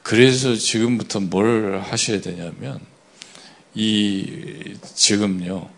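A man preaching a sermon, often asking the congregation for agreement and swinging between loud emphatic bursts and quiet asides. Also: fairly low pitch, fairly even intonation, slow, vocal fry. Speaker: pastor.

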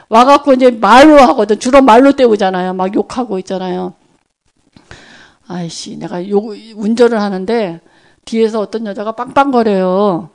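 A woman giving an informal sermon on evangelism, speaking conversationally and often checking that listeners agree. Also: on the high side.

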